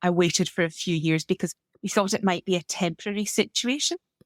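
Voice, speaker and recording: Recorded very cleanly with a silent background and a dry, close sound with no echo, a woman speaks fairly quickly at a fairly low pitch with fairly even intonation. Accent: Scottish. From central Scotland. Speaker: public speaking club president. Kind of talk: interview.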